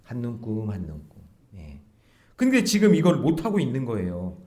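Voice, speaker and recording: A man's voice: mid-range voice, huge pitch swings, moderate pace, mellow. A middle-aged man preaching an early morning prayer sermon in a church, asking the congregation questions and acting out the voices he quotes. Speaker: pastor. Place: church sanctuary.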